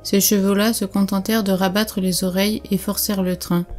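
Mellow, even-voiced woman narrator. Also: mid-range voice, brisk. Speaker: audiobook narrator. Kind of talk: scripted audiobook narration. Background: faint music.

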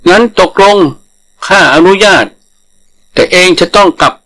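A swaggering tiger from an animal folktale, acted out by a male storyteller. The voice is pitched high and pushes forward with taunts and bossy demands. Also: measured pace, pushed and bright, heavily acted, rough recording. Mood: demanding.

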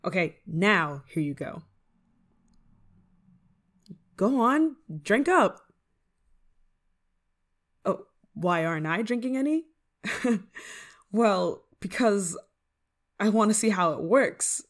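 A woman's voice: mid-range voice, expressive, slow pace, pauses often. A woman playing an eager, affectionate, scatterbrained novice witch in an ASMR roleplay, coaxing the listener in a giggly manner. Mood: chatty, flustered. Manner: giggly, coaxing, hesitant asides. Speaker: roleplay voice performer.

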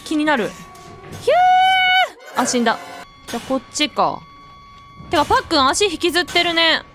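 Jittery, high-voiced woman gamer. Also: expressive, brisk. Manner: jittery, jokey, bursts into frightened shrieks. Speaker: let's play gamer. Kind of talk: horror game commentary. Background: faint game music.

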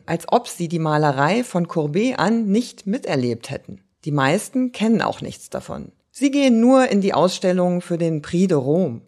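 Woman with a lively reading voice. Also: mid-range voice. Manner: lively, wry literary reading. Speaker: reader. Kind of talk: expressive reading of letters and diary entries.

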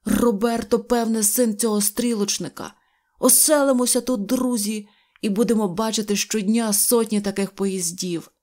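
A woman voicing an excited little male toy station master in an audio fairy tale, calling out loudly. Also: medium pitch, normal speed, hardly any pauses, close to an everyday voice. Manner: shouting over noise.

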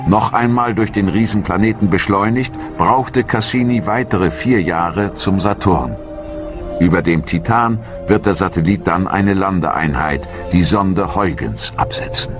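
A man giving calm, measured, scripted narration for a science documentary. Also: sits low. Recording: studio narration over loud music.

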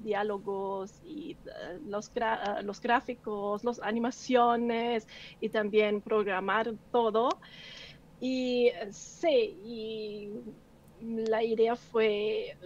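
Woman, 40s, game developer guest, hesitant, slow, muffled call audio. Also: a little high, slight background noise. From Germany. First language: German. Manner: hesitant, searching for words, nervous. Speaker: game developer being interviewed. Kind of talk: casual interview over a video call. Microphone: video call.

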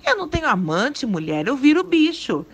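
A woman's voice: high voice, sing-song, moderate pace, pitched above the performer's own voice. A woman reading a story aloud and voicing a teasing rural husband in folksy, laughing tones. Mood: earnest. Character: teasing rural husband, grown man, amused. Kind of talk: dramatic storytelling.

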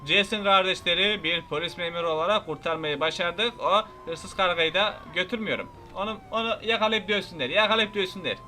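A young man commentating his own gameplay, excitable and full of exclamations as he talks to himself and his viewers. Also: high voice, a little fast, few pauses. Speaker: gaming YouTuber.

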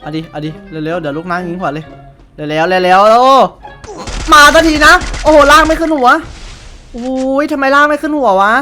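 A young man giving excited gameplay commentary, taunting opponents and repeating short calls over and over. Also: high-pitched, normal speed, soft background music. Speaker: gamer streamer.

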